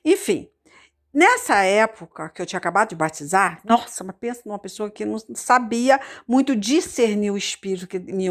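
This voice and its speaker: A missionary preacher from Rio de Janeiro, speaking with a Carioca Brazilian Portuguese accent, shares her testimony in a loose, informal sermon. Her slightly high, a bit bright voice keeps repeating words, using many fillers and checking in with the congregation through asides.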